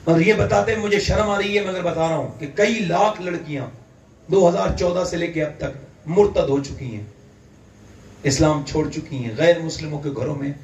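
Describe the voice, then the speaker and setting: Fervent high-voiced male preacher, echoey. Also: slight background noise. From India. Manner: fervent, rising to loud emphatic peaks. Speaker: Islamic preacher. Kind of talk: impassioned sermon. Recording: echoey hall, distant mic, faint ambience.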